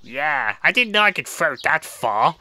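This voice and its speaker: A brash talking bird hero, as a man voices him in an audio play, with a sharp, very bright tone and a slightly raised pitch. He fires off blunt, quick-tempered retorts. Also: very animated, heavily acted. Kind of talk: hobby audio play acting.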